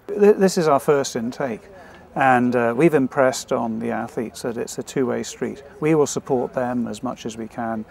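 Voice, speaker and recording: A man's voice: medium pitch, moderate pace, vocal fry, darkish tone. Man explaining in an interview. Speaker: sports academy spokesman.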